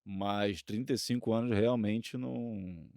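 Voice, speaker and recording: A man's voice: fairly low pitch, measured pace, vocal fry, a crowd in the background. A man with a Brazilian accent co-hosting a casual discussion, hesitantly restarting his phrases. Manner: hesitant, repeats phrase starts.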